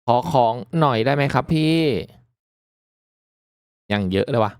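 A man giving casual, reactive commentary as he hosts a mobile game playthrough, chatting politely to viewers with excitable exclamations. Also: mid-range voice, unhurried, dry recording, studio quality. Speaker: gaming video host.

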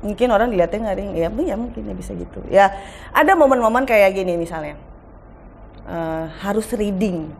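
A woman's voice: mid-range voice, brisk. A middle-aged woman talks as a guest on a talk show. She tells stories with energy and acts out family dialogue. There is faint noise in the background. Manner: animated storytelling, acting out family dialogue. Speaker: guest actress. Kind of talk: casual talk show chat.

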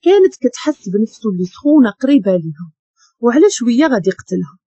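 A woman with a Moroccan accent narrating a dramatic story in an expressive reading. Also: a little high, fast talker, slightly rough, no echo. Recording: dull lo-fi dry recording.

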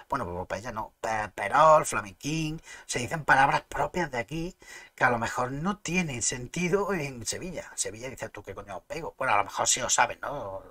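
On a casual live stream, a man with an Andalusian Spanish accent chats and argues his points emphatically, restarting words mid-flow. His mid-range voice has a sharp tone, and there's no room sound.

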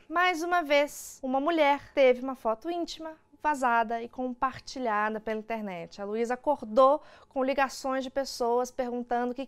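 A woman's voice: high voice, clean tone. A young Brazilian woman hosting an online news show, giving casual, opinionated commentary to camera. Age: young adult. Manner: informal, opinionated. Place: indoor studio.

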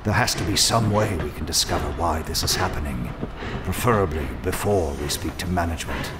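A man playing a formal, guarded manor attendant in an audio drama, speaking in a measured, dryly understated way. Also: deep voice, very noisy, natural voice. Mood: measured, earnest.

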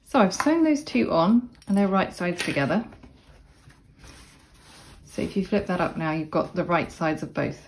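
Relaxed, chatty woman teaching sewing. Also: on the low side, normal speed. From Cornwall, England. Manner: relaxed, chatty, self-deprecating asides. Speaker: sewing instructor. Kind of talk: casual step-by-step tutorial narration.

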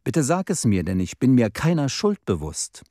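A man playing an earnest suitor in a spoken story, pleading gently with a woman. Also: mid-range voice, sing-song, normal speed, dry recording, studio quality. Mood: pleading, gentle.

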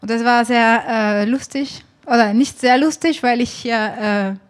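French-accented woman, hesitant and high. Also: a little slow. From France. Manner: hesitant, many fillers. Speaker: singer-songwriter guest. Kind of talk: casual interview chat. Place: small club stage with brick wall. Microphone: handheld microphone.

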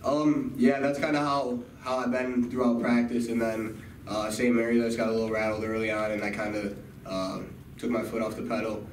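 A young male college basketball player giving modest, halting postgame answers, full of "uh" and "kinda.". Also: mid-range voice, flat delivery. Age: young adult. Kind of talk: postgame press conference answers. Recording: echoey room, distant mic, noticeable background noise.

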